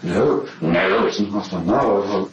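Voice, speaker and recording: A man under police interrogation, answering in halting, subdued bits that trail off. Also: lowish voice, dull audio, slight background noise. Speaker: murder suspect under interrogation. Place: interrogation room. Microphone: far room camera. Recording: echoey room from a distant camera.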